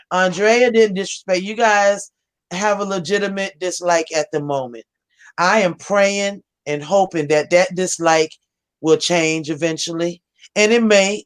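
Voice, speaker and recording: A woman's voice: fairly low pitch, dry recording. An American woman hosting a live chat, speaking casually in an earnest, conciliatory way. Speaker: host of a live panel chat.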